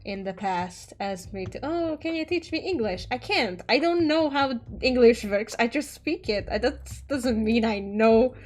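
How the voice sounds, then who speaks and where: A woman's voice: a little high, expressive, a little slow, few pauses, darkish tone. A woman whose first language is Hungarian, rambling casually as she draws, trailing off mid-thought and swearing now and then. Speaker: artist streamer. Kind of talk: casual commentary while drawing.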